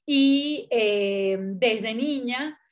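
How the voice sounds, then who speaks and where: A middle-aged woman poet and critic, from Venezuela with Italian as her first language, speaking thoughtfully with many pauses, fillers and restarts at an academic panel. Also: a little high.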